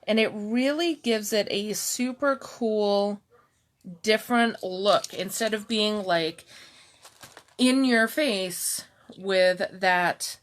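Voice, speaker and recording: A middle-aged woman with a calm, soft-spoken voice, chatting slowly through a live jewelry showcase and answering viewers by name. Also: medium pitch. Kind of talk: slow live-stream product showcase chat.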